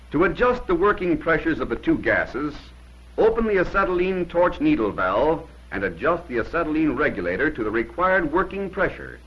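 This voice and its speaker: A man narrates in the style of a 1950s instructional film. His voice swings widely in pitch and has a husky edge. He gives short, plain-spoken instructions with firm emphasis, captured on an old film soundtrack. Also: a bit bright, rough recording.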